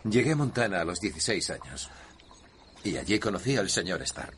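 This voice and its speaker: An actor in a dubbed TV drama playing a reserved frontier lawman who speaks quietly. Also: low-pitched, sing-song, a little fast, slight background noise.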